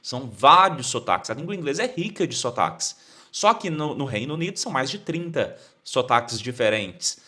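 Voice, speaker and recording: A Brazilian man teaches an English lesson, his voice bright and lively as it rises and falls. He draws out each word slowly for learners to repeat. Between the drills he keeps checking in with quick questions. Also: medium pitch. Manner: explains in Portuguese with frequent check-ins like "tá?" and "ok?". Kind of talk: online language lesson.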